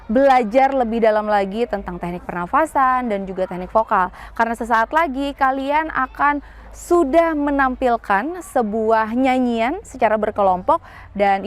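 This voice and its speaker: A young woman teacher with a Banjar-inflected Indonesian accent, patiently explaining singing technique to students outdoors, step by step. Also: a little high. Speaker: school music teacher. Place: outdoors at a school.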